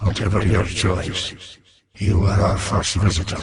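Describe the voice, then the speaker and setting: A man performs in a put-on character voice. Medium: video game. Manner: persuasive, solemn.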